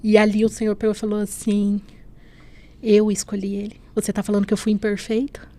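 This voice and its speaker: A woman from Brazil shares her faith testimony on a podcast in an earnest, heartfelt conversational voice. She keeps checking in with her listener with little "né?" tags. Her pitch sits in the middle range for a woman. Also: monotone, fairly quick, warm tone. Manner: earnest, often adds "né?" and "assim". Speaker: guest telling her testimony. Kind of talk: emotional personal testimony in a podcast interview.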